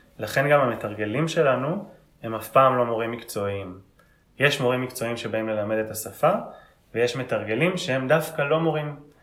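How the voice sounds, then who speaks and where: Mid-range male speech heard with audible echo from the room. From Israel. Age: 20s. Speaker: NGO founder and Arabic teacher. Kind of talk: interview.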